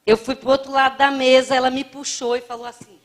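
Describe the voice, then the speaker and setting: A woman's voice: high-pitched, little pitch movement, brisk. A woman giving a spiritist lecture, telling humorous anecdotes and acting out the voices she quotes. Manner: playful storyteller, acts out quoted voices.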